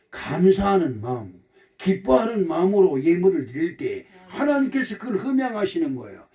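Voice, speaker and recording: A man's voice: sits high, warm tone, far from the mic. A man preaching a sermon as pastor, emphatic and repetitive, acting out the voices of others. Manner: emphatic, repetitive, acts out quoted speech.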